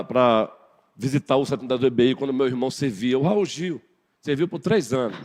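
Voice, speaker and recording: A man's voice: mid-range voice, darkish tone. A man with a Brazilian Portuguese accent giving a Sunday morning sermon, playfully teasing his congregation. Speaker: pastor. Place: church sanctuary. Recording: long church hall reverb.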